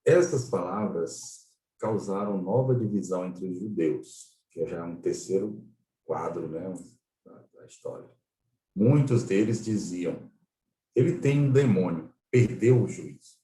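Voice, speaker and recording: Brazilian male catechist, low mellow voice, didactic Bible lesson, echoey distant mic. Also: animated, unhurried. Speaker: catechist leading a Bible study. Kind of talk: explanatory Bible lesson with scripture read aloud. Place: online video-call class. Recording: roomy echo, distant microphone.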